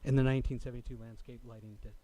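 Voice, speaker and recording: A man with an average-pitched voice addresses a council as a resident. He reads out prepared remarks, formal and deliberate in delivery. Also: little pitch movement, mellow, poor audio. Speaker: resident giving public comment. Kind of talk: prepared public comment speech. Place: city council chamber.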